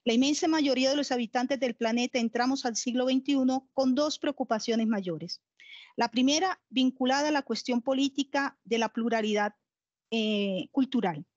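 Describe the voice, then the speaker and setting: A Colombian woman in her forties reads an academic paper in a measured, formal way. She speaks on a fairly high voice through a headset, the sound very dry and a little dull. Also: a little mellow, no echo. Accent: Colombian Spanish. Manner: measured, formal, reading aloud. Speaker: conference speaker. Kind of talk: academic lecture read from text. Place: home office, video call.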